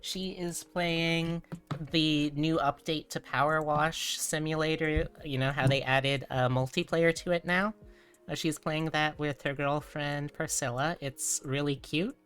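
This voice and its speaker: A woman with a low, smooth voice talks casually to her livestream viewers over music. She takes her time, and her wording is informal and playful. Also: fairly even intonation, a little slow, a bit bright. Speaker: livestreamer, VTuber host. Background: background music.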